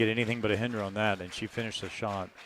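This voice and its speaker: A man with a fairly low voice speaks in a dry, close sound with no echo. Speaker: racquetball commentator. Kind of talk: live commentary. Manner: softer voice; casual, conversational.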